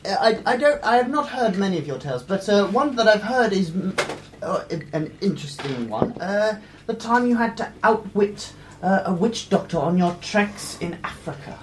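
A man in character as a gentleman, speaking hesitantly with many fillers. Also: sits high, lively intonation, moderate pace, recorded from a distance, background noise. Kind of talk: improvised in-character banter.

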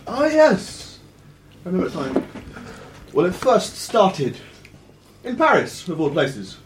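A man improvising a boastful tall tale in character, rambling and halting as he goes. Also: high-pitched, huge pitch swings. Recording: echoey room with faint noise.

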